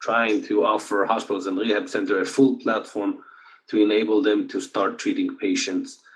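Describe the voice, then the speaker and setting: A man with an Israeli accent giving a conference presentation remotely, speaking haltingly with many filler sounds. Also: on the low side, flat delivery. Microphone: video call. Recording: dull lo-fi video call audio.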